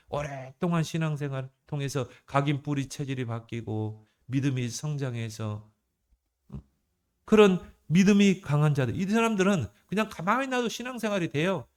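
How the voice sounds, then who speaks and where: A male pastor delivering a sermon in a conversational style, asking the congregation questions and varying his emphasis. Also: fairly high pitch. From South Korea. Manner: conversational preaching with rhetorical questions and shifting emphasis.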